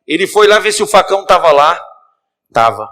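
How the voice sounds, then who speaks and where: Man, bishop, Cearense Brazilian Portuguese accent, animated story sermon, talks straight to the congregation, church. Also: high-pitched, a little fast. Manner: animated, addresses the congregation directly. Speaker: bishop, preacher.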